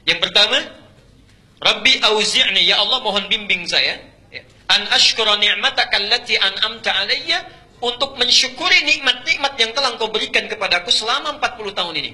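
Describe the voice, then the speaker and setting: A middle-aged man preaching a sermon, swinging from loud, stretched recitation to soft, hushed storytelling. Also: high-pitched, lively intonation, brisk.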